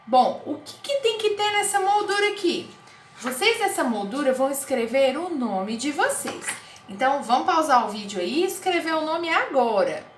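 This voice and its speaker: A woman with a Brazilian Portuguese accent teaching first graders in a recorded online class, talking slowly in a sing-song, exaggerated way. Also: sits high, fairly bright tone. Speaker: primary school teacher. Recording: echoey room, faint noise.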